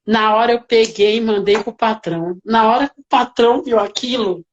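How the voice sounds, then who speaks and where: A woman working as a nanny, telling stories in a casual interview with lively, emotional reenactments. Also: fairly high pitch, normal speed, highs cut off.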